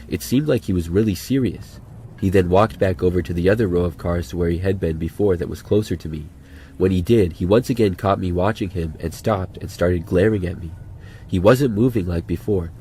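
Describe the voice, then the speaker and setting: A man's voice: low voice, darkish tone, a little hiss or hum. A man narrating a first-person creepy story in a plain, matter-of-fact way.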